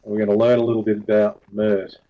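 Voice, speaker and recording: A man hosting a podcast in a relaxed, casual way, laughing often. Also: on the low side, fast talker, narrow, tinny audio. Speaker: podcast host.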